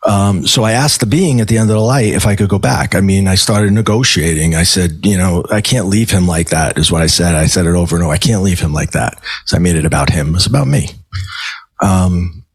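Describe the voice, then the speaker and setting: A middle-aged man speaks as a podcast guest, recounting a personal experience in a halting flow that doubles back on words and restarts sentences. His voice sits low and sounds a little husky. The recording is dry and close, with no room sound around him. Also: no echo. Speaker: podcast guest, medium and life coach. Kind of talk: telling a personal story in conversation.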